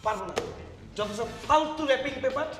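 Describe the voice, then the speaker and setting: A sarcastic, snappish young man who answers in biting jabs. He talks fast and high. The sound is echoey, with faint music behind.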